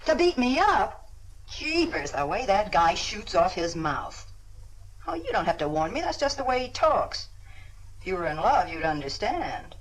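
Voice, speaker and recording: A woman's voice: mid-range voice, very animated, unhurried, poor audio. An actress playing a brash, slangy young woman hopelessly in love, in 1940s film acting. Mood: chatty. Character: brassy young woman, lovesick, quarrelsome.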